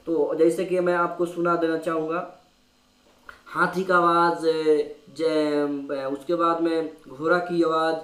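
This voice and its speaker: A man's voice: a little high, flat delivery, takes it slowly, a bit bright, echoey room, far from the mic. A man who plays keyboard, talking casually to his channel's viewers in a humble, pleading way. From India. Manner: humble, pleading, asks repeatedly. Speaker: keyboard player and channel host. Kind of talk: casual talk to camera.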